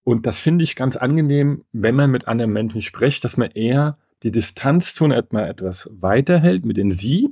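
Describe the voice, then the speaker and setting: A man with a dark, mellow voice and a husky edge, talking as an interview guest about manners. He speaks emphatically and opinionatedly, often wandering into side remarks. The recording is close and dry. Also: medium pitch, animated, moderate pace, hardly any pauses, no echo. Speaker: guest, etiquette expert. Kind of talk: conversational interview.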